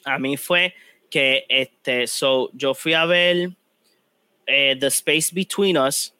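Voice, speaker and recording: A man's voice: medium pitch, drawn-out words, bright, forceful tone, clean tone, dry recording. A man, co-hosting a podcast and telling a rambling story that slides between Spanish and English. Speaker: podcast co-host. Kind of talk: casual chat.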